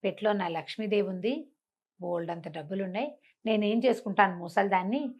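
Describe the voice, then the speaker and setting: A woman's voice: medium pitch, fairly quick, a little mellow, lightly acted. A woman storyteller voicing a sly old village woman who coaxes and warns, repeating her words in a folk tale. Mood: coaxing.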